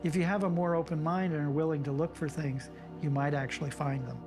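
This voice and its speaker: A man's voice: a little high, fairly even intonation, a little fast, over music. A man explaining conversationally as an expert in a documentary interview.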